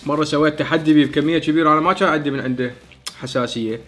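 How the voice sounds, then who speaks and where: A man's voice: on the high side, very fast, fairly bright tone, soft background music. A man in his thirties with an Iraqi Arabic accent, hosting a food challenge and chatting between mouthfuls. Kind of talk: casual eating vlog. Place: small indoor home studio.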